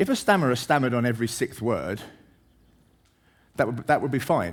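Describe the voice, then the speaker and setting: With an English accent, a man talks at a fairly quick pace in a medium pitch, his intonation lively. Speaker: professor, author giving a talk. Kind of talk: public talk. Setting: stage with audience. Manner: hesitant, many fillers.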